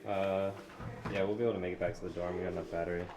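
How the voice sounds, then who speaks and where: A camera operator chatting in a dry, offhand manner. His voice is low and his words come quickly. The sound is echoey, with a loud crowd all around. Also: little pitch movement. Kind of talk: casual chat.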